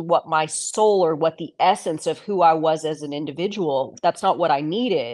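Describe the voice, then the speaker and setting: A woman's ordinary speaking voice, fairly slow with ordinary pitch variation, in a dry, close sound with no echo against a quiet background. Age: 40s. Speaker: podcast guest, self-help enthusiast. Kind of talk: casual interview chat.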